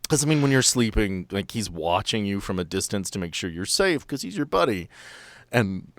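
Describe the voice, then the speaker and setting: A man's voice: on the low side, big pitch swings, normal speed, no room sound. A man improvising casual, playful narration as the game master of a tabletop roleplaying podcast. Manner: playful, conversational.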